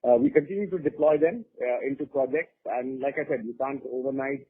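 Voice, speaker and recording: A man's voice: mid-range voice, brisk, breathy edge. A man speaking as a company finance executive, giving informal, unscripted answers to analysts on an earnings conference call. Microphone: phone or conference call line. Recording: narrow phone-like conference call line.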